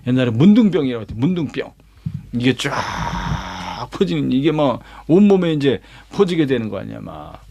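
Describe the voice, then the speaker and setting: A man's voice: mid-range voice, big pitch swings, moderate pace, creaky, a little mellow, husky. A male pastor telling a Bible story as a lesson, dramatic, with vivid sound words and rhetorical questions. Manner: acts out quoted lines himself.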